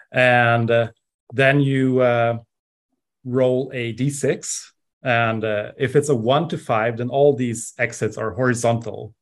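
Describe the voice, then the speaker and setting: A man with a Swedish accent speaks at a medium pitch and a very slow pace. Long, frequent pauses break up his speech against a quiet background. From Sweden. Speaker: tabletop game designer. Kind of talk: casual interview. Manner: halting, many fillers.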